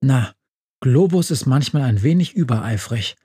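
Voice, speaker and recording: A narrator voicing a friendly, gentle witch in a slightly raised voice. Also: medium pitch, expressive, normal speed, husky, dry recording, clean studio sound. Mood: calm. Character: kind older witch, calm and friendly.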